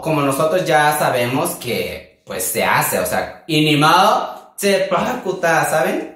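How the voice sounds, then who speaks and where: Man, mexican spanish accent, native wixárika speaker, campy sassy vlog lesson, unhurried, very roomy sound. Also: fairly bright tone. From Wixárika community, Mexico. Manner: campy, theatrical, sassy with sudden pitch jumps. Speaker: vlogger teaching words. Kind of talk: casual playful vocabulary lesson. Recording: very echoey room.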